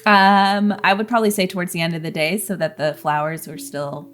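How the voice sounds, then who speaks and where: A young woman playing a tabletop role-play game, soft and hesitant, with ums and trailing sentences. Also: fairly low pitch, little pitch movement, brisk. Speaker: player.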